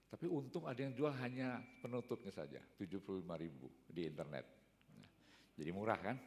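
A man's voice: low-pitched, slight background noise. An older man telling everyday stories in a casual, rambling talk, often tagging his sentences with a short "ya". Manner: rambling, fills pauses with a tag "ya". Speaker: speaker giving a talk. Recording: long hall reverb.

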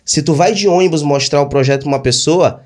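Fast-talking Brazilian man telling a story. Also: on the high side. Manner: rapid, animated storytelling with many fillers. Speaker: guest. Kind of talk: casual storytelling interview.

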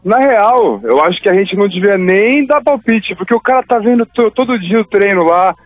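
A young caller comes through a muffled phone line. His voice sits high for a man, and he talks in a relaxed, joking way full of slang. The sound is dull and lo-fi, the way a call sounds when a radio show puts it on air. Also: normal speed. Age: 20s. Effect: over the phone. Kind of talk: casual chat.

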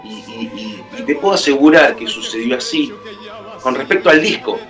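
A man's voice: mid-range voice, animated, moderate pace, a bit bright, distant mic, soft background music. A man with a Rioplatense Spanish accent, a guest musician in an interview, telling a heartfelt story and acting out the dialogue. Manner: heartfelt, acts out quoted dialogue.

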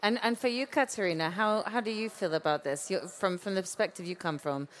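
A woman's voice: medium pitch, brisk, slight background noise. A woman hosting a conversational panel interview, putting questions to her guests. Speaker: host, interviewer.

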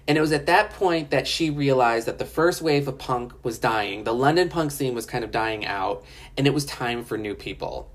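A woman's voice: a bass voice, moderate pace. A woman in Los Angeles giving a casual, chatty spoken review of a documentary, frank and often profane, with lots of fillers.

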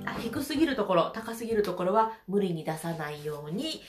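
A woman's voice: medium pitch, big pitch swings, fairly quick, echoey room, faint music behind. A woman with a stuffy nose from hay fever, leading a casual voice lesson, chatty and laughing often. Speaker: voice trainer.

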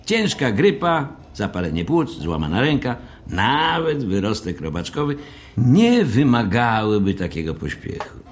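An actor playing a stiff, condescending hotel manager with formal, measured speech in an audio drama. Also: male voice, medium pitch, very animated, slight background noise. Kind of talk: audiobook radio play acting.

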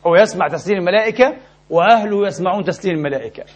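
A man preaching a sermon in a mosque, impassioned and emphatic, with sharp rises in his delivery. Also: high voice, very fast. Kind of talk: Friday sermon. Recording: dull lo-fi recording.

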